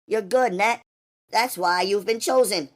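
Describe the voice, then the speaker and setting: Weary angelic heroine, quiet and knowing, raised a little in pitch by a male reader. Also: a little slow. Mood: calm. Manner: calm, knowing, low-key. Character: weary mysterious woman with angelic powers. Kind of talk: audiobook character voice.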